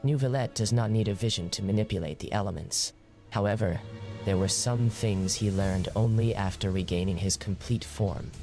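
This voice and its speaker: A man performing a solemn male storyteller for a fantasy video game. His voice sits fairly low and delivers formal scripted narration over soft music. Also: moderate pace, close to an everyday voice.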